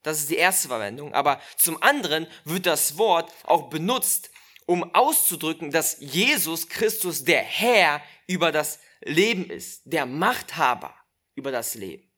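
A preacher giving a sermon, slow and emphatic, repeating key phrases and speaking directly to the listeners. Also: medium pitch, big pitch swings, sharp tone.

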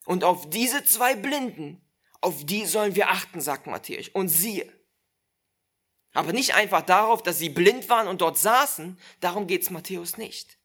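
A preacher giving a sermon, slow and emphatic, repeating key phrases and speaking directly to the listeners. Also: medium pitch, expressive, fairly bright tone.

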